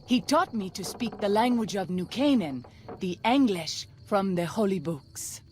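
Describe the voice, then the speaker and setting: A woman's voice: mid-range voice, animated, unhurried, lightly acted. Brief: actress as a devout tribal woman, formal and reverent, game dialogue, faint hiss. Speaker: game character.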